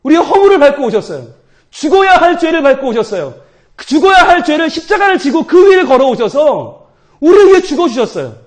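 High-voiced, lively male preacher. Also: fast. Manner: animated, humorous preaching with acted-out inner voices. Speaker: pastor. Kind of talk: sermon. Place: church prayer meeting.

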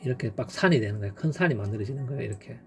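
Over soft background music, a man with a medium-pitched, creaky, slightly mellow voice talks very fast and with animation in a casual screen-share lesson on stock chart trading. His emphatic style repeats key points and punctuates them with sound effects.

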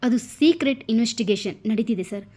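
A woman's voice: fairly high pitch, expressive, a little fast, dark tone. A woman doing a teasing young cop. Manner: joking, easygoing. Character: young male police officer, teasing and caring. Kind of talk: storybook narration.

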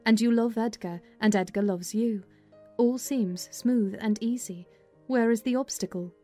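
A woman's voice: a little high, measured pace, warm tone, close to an everyday voice. A woman voicing a sensible, skeptical servant woman in a dramatized audiobook, practical and chiding. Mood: dry, questioning. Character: sensible, skeptical servant woman advising her young mistress. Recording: music under the voice.

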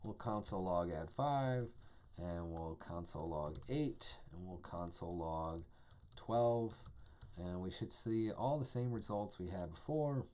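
A man's voice: deep voice, animated, measured pace, a little mellow. Casual, upbeat male coding streamer. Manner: casual, enthusiastic, chatty with filler words. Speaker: programming instructor. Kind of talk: live-streamed coding lesson.

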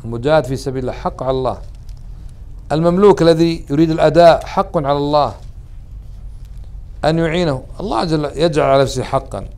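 A man teaching a religious lesson as a sheikh speaks fast in a darkish, somewhat high voice, pausing often. He keeps putting questions to his listeners and then answering them himself, blending colloquial words into formal speech.

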